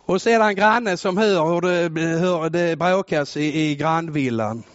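A man preaching a sermon with fervor, rising to shouts and dropping to quiet storytelling. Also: fairly high pitch, no room sound, highs cut off. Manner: fervent, builds to shouts, then drops to quiet storytelling.

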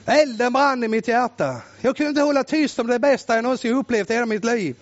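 High-pitched gravelly guy preaching loud, swinging from yelling to quiet, muffled church recording. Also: no room sound. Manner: loud, exclamatory, swings from shouting to hushed. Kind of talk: storytelling sermon.

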